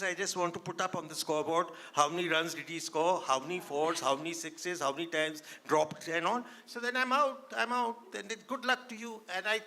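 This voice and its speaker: A man's voice: high voice, bright, forceful tone. A man in his seventies with an Indian accent, talking emphatically and informally on an author panel, often repeating his phrases. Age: 70s. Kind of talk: impassioned informal panel talk.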